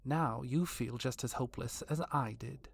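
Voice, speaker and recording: A woman's voice: extremely low pitch, moderate pace, gravelly, breathy edge, exaggerated voice. A woman playing a cold, vengeful vampire villainess in an audio drama, taunting with genteel menace. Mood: gloating menace.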